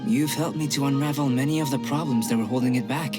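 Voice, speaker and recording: An actor playing a calm, curious young male alchemist in a video game, speaking formally and precisely. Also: mid-range voice, fast talker, natural voice. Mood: thoughtful. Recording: game music behind the voice.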